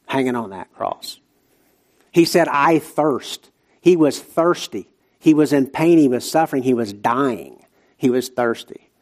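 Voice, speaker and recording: A man's voice: mid-range voice, a little mellow. Appalachian hillbilly man preaching a sermon. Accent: Appalachian hillbilly Southern US. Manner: emphatic short phrases with repetition and rhetorical questions.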